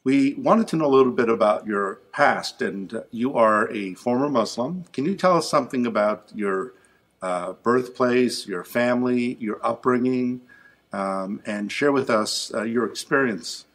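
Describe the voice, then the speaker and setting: A man's voice: mid-range voice, a little slow, a bit bright. A man hosting an interview show, introducing and questioning a guest in a formal, orderly way.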